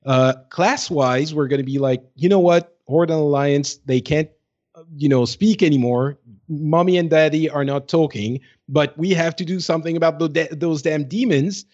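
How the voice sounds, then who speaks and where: A man co-hosting a casual gaming podcast, speaking in halting, hesitant phrases. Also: on the high side, darkish tone. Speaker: podcast co-host. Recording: slightly dull, lo-fi voice track.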